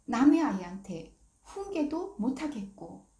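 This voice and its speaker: A middle-aged woman gives a parenting lesson as a story, acting out each quoted line with big swings in her voice. Her tone is warm and mellow, a little higher than most. The room around her sounds echoey. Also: unhurried. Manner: acts out quoted lines with lively shifts in pitch. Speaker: parenting educator.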